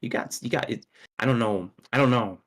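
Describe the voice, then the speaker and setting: A man's voice: medium pitch, fairly quick. A man chatting casually in a group with a teasing, bantering manner.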